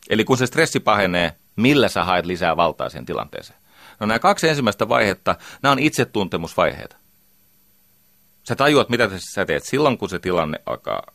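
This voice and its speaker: A man's voice: deep voice, gravelly, fairly bright tone, no echo, studio quality. A middle-aged man giving a lecture as a communication trainer, emphatic and full of rhetorical questions.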